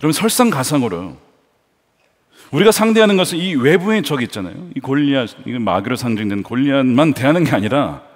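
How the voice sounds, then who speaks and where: A man preaching a sermon as pastor, with dramatic swings from hushed storytelling to loud emphatic calls. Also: medium pitch, sing-song, fairly quick, long reverb tail. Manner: acts out quoted taunts in a raised voice.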